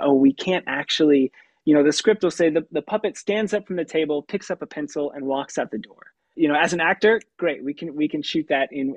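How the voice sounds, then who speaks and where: A puppeteer and voice actor talking through his craft in an interview, with a light, youthful tenor voice and an animated manner that breaks into laughs. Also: a little high, husky, no echo, dull audio. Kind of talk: conversational interview answers.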